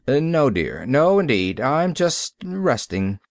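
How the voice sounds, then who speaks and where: A troubled, stern minister with a deep voice and a grave, preaching cadence, as a man drops his voice to play him. His lines swing between heavy, slow stresses and sudden lifts. The sound is dry and close, like a quiet audiobook read. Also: big pitch swings, gravelly, no room sound, full character voice. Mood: weary. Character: troubled, stern middle-aged male minister.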